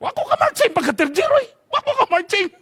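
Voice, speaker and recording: A man voicing a heartbroken mother who cries out in a high lament. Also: big pitch swings, a little slow, sharp tone, exaggerated voice. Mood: wailing. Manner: crying, high-pitched lament.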